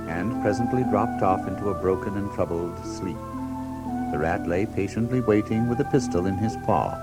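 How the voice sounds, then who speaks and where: A man's voice: on the low side, poor audio. A man narrating a children's story in a dramatic, scripted storybook style. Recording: music behind the narration.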